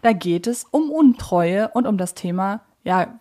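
A woman's voice: medium pitch, expressive, measured pace, dark tone. Reflective woman podcaster. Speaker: podcast co-host. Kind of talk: casual conversational podcast discussion.

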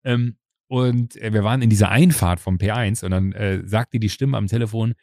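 A man's voice: lowish voice, moderate pace, dry recording, clean studio sound. A man in his forties hosting a podcast, telling a story casually and animatedly, acting out what people said, with frequent fillers. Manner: animated, acts out quoted dialogue, frequent fillers. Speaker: podcast host.

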